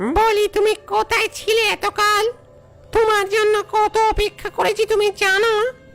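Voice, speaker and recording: A female-sounding, cartoonish character voice at an extremely high pitch, with faint music in the background. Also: fairly slow pace. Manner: eerie.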